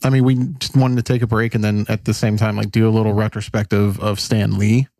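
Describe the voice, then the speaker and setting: A man's voice: fairly low pitch, flat delivery, a little fast, dark tone, dry recording, clean studio sound. A man co-hosting a podcast in casual chat, hesitant and full of ums and self-corrections. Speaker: podcast co-host.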